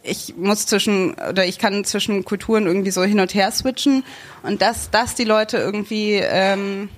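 A woman's voice: mid-range voice, fairly even intonation, moderate pace. Hesitant young woman, thinking aloud. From Germany, raised bilingual. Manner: hesitant, searching for words with many fillers. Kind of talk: casual chat.

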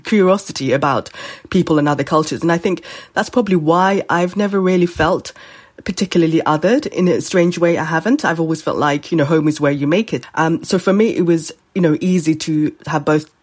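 A woman's voice: sits low, a little fast. A woman originally from Bangladesh, talking reflectively as a guest in an interview and often saying "you know". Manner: warm, reflective, many fillers like "you know". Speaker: food writer and guest. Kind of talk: conversational interview.

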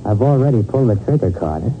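A man's voice: on the low side, lively intonation, fast talker, narrow, tinny audio, slight background noise, natural voice. Man playing a slangy American gangster on old radio. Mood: menacing, cocky. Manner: slangy tough-guy talk. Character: cornered, defiant tough male gangster and killer. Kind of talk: 1940s radio crime drama acting. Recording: band-limited old 1940s radio recording, music behind.

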